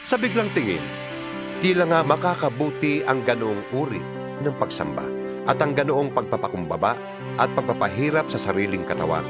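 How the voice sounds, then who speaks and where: A man with a Filipino accent voicing an earnest apostle in a dramatized scripture reading, solemn and emphatic, with measured phrasing. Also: medium pitch, big pitch swings, loud music behind the voice, natural voice. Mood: earnest exhortation. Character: earnest male apostle exhorting his followers by letter. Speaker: Bible reader voicing an apostle's letter.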